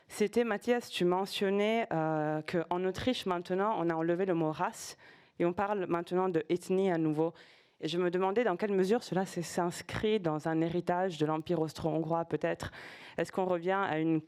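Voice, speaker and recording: A woman's voice: lowish voice, a little mellow, smooth. A woman, a former researcher, asking a panel a long, polite question from the audience, searching for her words. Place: conference hall.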